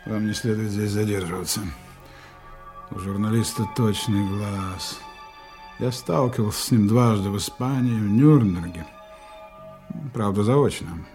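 An actor playing a smooth, authoritative German agent giving orders to his team in a radio play, speaking in calm, clipped tones. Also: fairly low pitch, unhurried, pauses often, soft background music. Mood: commanding. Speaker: intelligence operative commanding a team.

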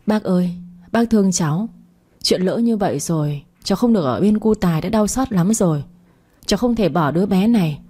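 A woman's voice: medium pitch, expressive, a little fast, warm tone, husky. A woman reading as a tearful begging young mistress. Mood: pleading. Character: young pleading pregnant mistress.

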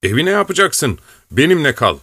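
A man voicing a boisterous, hard-drinking army major who talks loudly and teases in a jovial way. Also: fairly high pitch, big pitch swings, a little fast, breathy edge, no room sound, clean studio sound, voice pushed up, full character voice. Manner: loud, jovial, teasing.

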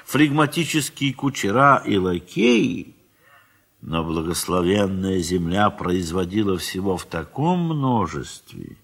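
A man with a fairly low voice reads classic prose as the narrator of an audio play. His delivery is expressive and theatrical, measured in its phrasing, with words that are allowed to linger.

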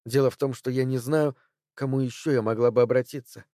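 A man's voice: medium pitch, steady tone, fast talker, warm tone, no room sound, studio quality, lightly acted. A man reading a poised young woman. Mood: composed. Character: composed young woman visitor, poised and clever. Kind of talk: audiobook character voice.

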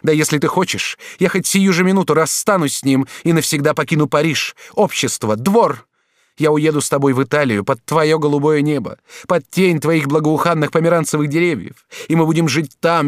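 An ardent, jealous court duchess, put on by a male audiobook reader, who pleads and scolds by turns. The voice sits noticeably higher than a man's usual speech. The recording is close and dry, with no room sound. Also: moderate pace, no echo, lightly acted. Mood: pleading. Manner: pleading, then threatening. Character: passionate jealous duchess, the king's favourite. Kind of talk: audiobook character reading.

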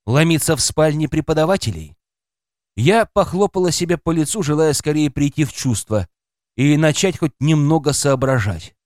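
A man's voice: on the high side, lively intonation, moderate pace, a little mellow, no room sound, studio quality. A man reading an audiobook aloud as scripted first-person narration, expressively voicing a woman narrator's inner thoughts.

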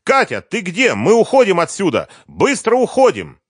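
A man's voice: sits high, huge pitch swings, normal speed, no echo, studio quality, voice pushed up, full character voice. A male audiobook reader voicing a furious, grasping ex-wife who screams accusations. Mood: screaming fury. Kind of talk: audiobook character voice.

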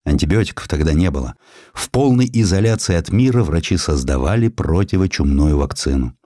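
A man reading a literary story as a dramatic audiobook narrator, deliberate and measured, with weighty pauses. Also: deep voice, lively intonation, mellow, no room sound, clean studio sound. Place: studio.

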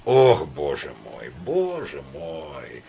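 A man's voice: fairly low pitch, very animated, measured pace, a little hiss or hum. A man reading an audiobook voices a huge, sleepy, good-natured doctor who sighs heavily and grumbles. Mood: grumbling, sleepy. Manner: heavy sighing, grumbling.

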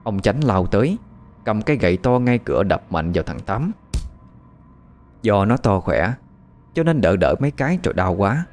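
A man's voice: lowish voice, sing-song, normal speed, long pauses, darkish tone, soft background music. A man narrating a horror audio story in a dramatic storytelling manner.

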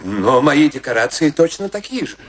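A man's voice: fairly high pitch, very animated, moderate pace. An actor playing a huge, impetuous, passionate male artist, with emphatic theatrical radio-drama delivery. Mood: astonished, fervent. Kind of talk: theatrical radio-play acting.

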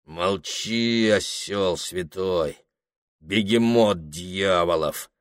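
A man voicing a wild-tempered drunk who mutters hoarsely and then shrieks in panic. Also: on the low side, lively intonation, a little slow, fairly bright tone. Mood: muttering.

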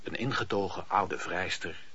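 A man narrating a radio drama as a scripted, literary story in a measured storytelling manner. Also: deep voice, sharp tone. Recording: dull radio recording.

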